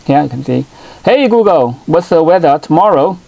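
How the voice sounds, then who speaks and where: A middle-aged man whose first language is Chinese, explaining phone settings at his home desk. He speaks haltingly, full of fillers and restarts, in a mellow, warm voice. The sound is dry and close, recorded by a camera over the desk. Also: fairly high pitch, animated, gravelly, no room sound, low-quality recording. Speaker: tech channel host. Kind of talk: hands-on phone tutorial. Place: desk at home, in front of a computer.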